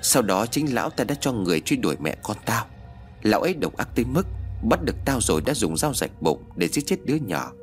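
A vengeful village schemer, voiced by a male storyteller, gloating as she speaks. The voice sits low yet moves in animated swings. Faint music plays beneath the storytelling. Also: a little fast. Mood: taunting. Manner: gloating, taunting.

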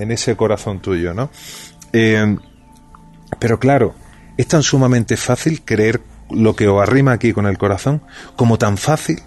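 Low-voiced male radio interviewer. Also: a little mellow. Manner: measured, questioning, with hesitant fillers.

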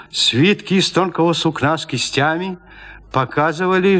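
A man narrating a classic story in a radio play, reading in a measured, expressive literary way. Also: on the high side.

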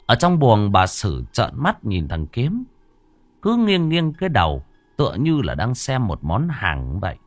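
A man narrating a ghost story in a dramatic, expressive way. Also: medium pitch, unhurried, dry recording.

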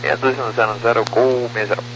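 Brazilian pilot guy reading back on crackly radio, terse, humming noisy line, normal pitch. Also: fairly even intonation, quick pace. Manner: terse, procedural. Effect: crackly aviation radio. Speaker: airline pilot. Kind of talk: radio readbacks.

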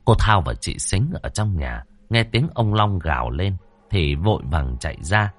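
A man's voice: sits low, big pitch swings, unhurried. A man narrating a horror story with a dramatic, suspenseful delivery. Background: faint background music.

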